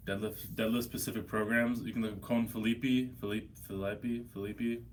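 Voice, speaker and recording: Hungover American male streamer, slightly deep voice, loose profane chat, faintly noisy room. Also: level tone, moderate pace. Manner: profane, blunt, slangy. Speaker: livestream host. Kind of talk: casual livestream chat answering viewers' questions.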